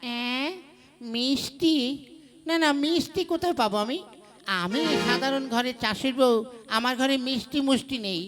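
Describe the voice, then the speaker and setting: A woman's voice: high-pitched, normal speed, a bit bright, faint music behind. A woman voicing a poor, hard-of-hearing farmer's wife in a folk puppet comedy, muttering and mishearing everything. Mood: puzzled. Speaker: puppet show voice actor.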